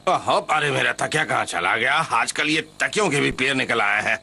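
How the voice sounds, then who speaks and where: A gravelly, blustering caveman dad. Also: medium pitch, moderate pace, bright, forceful tone, exaggerated voice. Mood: grumbling. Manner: blustering, complaining. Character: grumbling, boastful caveman father. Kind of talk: Hindi cartoon dub.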